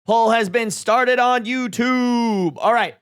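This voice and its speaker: Taking things slowly, a streamer in their twenties speaks in a smooth, slightly bright, medium-pitched voice. The casual reaction stream chat with the live audience is slangy and emphatic, full of swearing.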